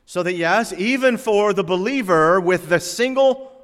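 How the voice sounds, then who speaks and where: A man preaching a sermon as pastor, moving between emphatic exhortation and hushed prayer. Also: high-pitched, unhurried. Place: church sanctuary. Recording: long reverb of a church hall.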